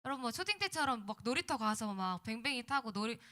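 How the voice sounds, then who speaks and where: Female youth preacher, very lively high voice, conversational sermon delivery, diction a bit thick from post-wisdom-tooth swelling. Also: fast. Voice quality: slightly slurred diction from swollen mouth after wisdom teeth. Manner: conversational, checking in with young listeners. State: mouth swollen after wisdom tooth removal. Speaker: youth pastor preaching to middle schoolers.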